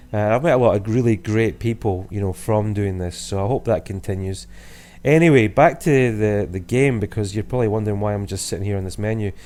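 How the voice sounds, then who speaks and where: Very fast and fairly low-pitched, a man with a Scottish accent speaks in a dark, mellow tone, recorded very cleanly against a silent background. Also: ordinary pitch variation. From Scotland. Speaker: gaming YouTuber. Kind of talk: gameplay commentary. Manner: hesitant, many fillers.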